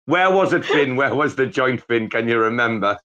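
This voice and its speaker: A man's voice: mid-range voice, lively intonation, moderate pace, fairly bright tone, lo-fi sound. A man hosting a casual live chat, telling a rambling story full of swearing.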